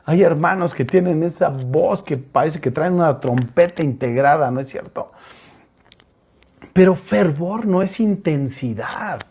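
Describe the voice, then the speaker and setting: A man with a Mexican Spanish accent delivers a sermon in an earnest, direct way, often turning to his listeners. His voice sits a bit high for a man, with a mellow, dark color and a husky edge. Now and then he hesitates over a filler before moving on. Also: lively intonation, a little slow, muffled recording. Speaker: pastor.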